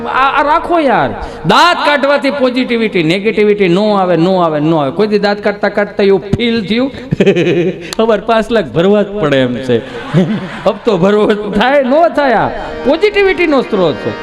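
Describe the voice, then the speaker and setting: A man's voice: high voice, animated, moderate pace, over music. A man with a Kathiawadi Gujarati accent telling folksy stories on a live stage, acting out the dialogue himself. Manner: folksy, chatty, acts out dialogue. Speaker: stand-up comedian. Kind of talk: live folk comedy storytelling. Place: live stage show with audience. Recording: stage mic with crowd noise.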